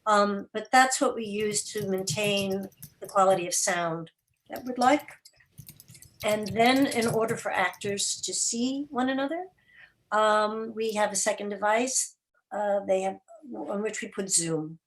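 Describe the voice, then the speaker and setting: A woman's voice: medium pitch, a little slow, a little hiss or hum, rough recording. A woman speaking informally as a guest producer, answering interview questions on a remote video call. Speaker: radio drama and podcast producer, guest.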